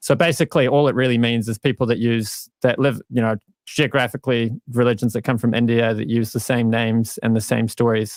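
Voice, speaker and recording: A man with a New Zealand accent speaks at a fairly quick pace in a medium pitch. The sound is dry and close with no echo, and his intonation is fairly even. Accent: full New Zealand. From New Zealand and Canada. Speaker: Hare Krishna practitioner, religion channel host. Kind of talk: casual interview. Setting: live stream video call. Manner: hesitant, many fillers.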